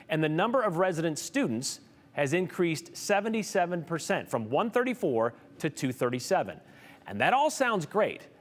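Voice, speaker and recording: A male news reporter narrates a story with a lively, animated pitch that runs somewhat high. His voice carries a long reverb tail.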